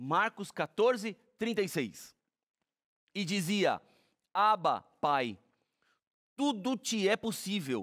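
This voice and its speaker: A man's high-pitched voice with lively intonation over a quiet background. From Brazil. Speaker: preacher and TV Bible program host. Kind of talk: sermon-like Bible teaching to a TV audience, with direct pastoral appeals. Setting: TV studio. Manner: warm, earnest, reassuring; emphatic, with repeated phrases building to an emotional appeal. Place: studio. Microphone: lapel.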